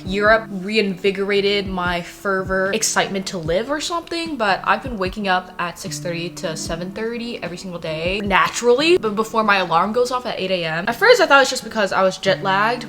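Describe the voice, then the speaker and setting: A woman's voice: medium pitch, a bit bright. A woman in her twenties chatting casually in a vlog while doing her makeup, bubbly and self-mocking. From United States. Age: 20s. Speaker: vlogger. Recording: music playing underneath. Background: clear background music.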